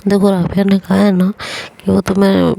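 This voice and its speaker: A woman voicing a bold, teasing young woman in love who scolds quickly, in an audio love story. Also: medium pitch, little pitch movement, vocal fry, warm tone. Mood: coaxing.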